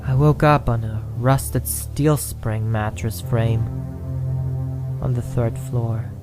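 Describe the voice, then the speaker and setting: A man's voice: mid-range voice, steady tone, slow pace, music in the background. A man narrating a first-person ghost story, dramatic and at times dropping to a whisper.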